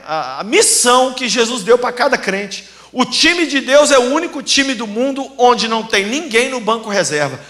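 Male pastor, very high bright voice, lively storytelling sermon, echoey sanctuary. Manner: animated, humorous storytelling with acted-out dialogue. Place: church sanctuary. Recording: echoey church hall.

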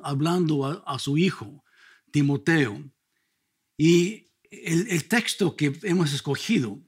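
An older man, a pastor raised in California with English as his first language, teaching a sermon workshop with frequent restarts and light humor. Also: a little high. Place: seminary chapel.

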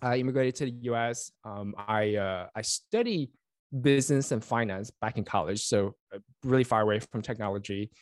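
A Taiwan-born man in his forties, Chinese his first language, talks in a fairly low voice, friendly and rambling, full of fillers and restarts. The sound is dry and close, with no room around it. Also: normal speed, dry recording. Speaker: guest, network engineer and author. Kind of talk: casual interview chat. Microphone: remote call.

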